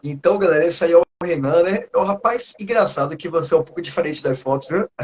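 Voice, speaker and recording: Over a video call, a teacher from Northeastern Brazil chats easily with a student he's interviewing, laughing frequently. He speaks at a fairly quick pace with a fairly high voice, and the recording has its highs cut off.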